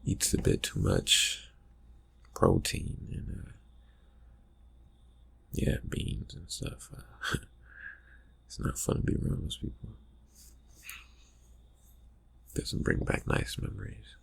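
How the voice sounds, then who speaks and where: A man playing a brooding, distracted vampire friend in an ASMR roleplay, murmuring in halting, husky phrases that trail off. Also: fairly bright tone. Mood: wry, musing. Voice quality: breathy, husky, gravelly low murmur. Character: brooding, distracted young male vampire friend, slyly teasing. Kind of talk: ASMR roleplay, improvised soft talk to the listener.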